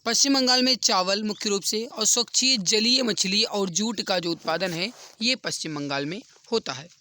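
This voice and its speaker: A man's voice: sits high, moderate pace, bright, forceful tone. A man explaining quiz questions as an exam coaching teacher, repeating key answers for emphasis.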